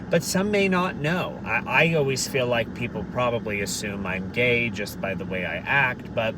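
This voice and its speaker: Man, deep low voice, earnest, candid, casual Q&A talk, street noise behind. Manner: earnest, candid, occasionally swears. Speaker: vlogger answering questions. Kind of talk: casual Q&A monologue. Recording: distant mic, noisy background.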